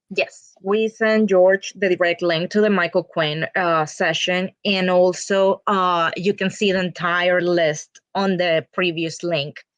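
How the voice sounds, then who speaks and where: A woman speaks at a very slow pace with hardly any pauses, at a medium pitch with monotone, flat intonation. Her loudness is very even, and the sound is dry and close with no echo. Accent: Venezuelan. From Venezuela. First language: Spanish. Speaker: co-host assistant. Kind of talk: live stream Q&A chat. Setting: online live stream.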